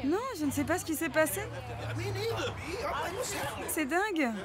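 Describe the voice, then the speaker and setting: A woman's voice: high-pitched, expressive, unhurried, over loud music. A woman dubbing a snowboard champion, talking in an indignant, defensive way. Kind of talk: dubbed reality-show dialogue.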